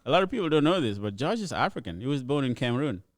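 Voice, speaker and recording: A man's voice: medium pitch, sing-song, very fast, no room sound, studio quality. A young man from Ethiopia, chatting easily as a comedian guest on a podcast and laughing often. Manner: easygoing storyteller, laughs often. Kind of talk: casual podcast chat.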